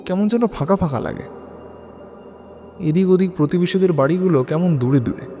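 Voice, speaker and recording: Actor as brooding lonely widower, reverberant and dark-toned. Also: male voice, mid-range voice, close to an everyday voice. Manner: introspective, theatrical, with rhetorical questions and pauses. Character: brooding, lonely widower narrating his haunted memories. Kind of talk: dramatic first-person audio drama narration. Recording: long reverb, music bed underneath.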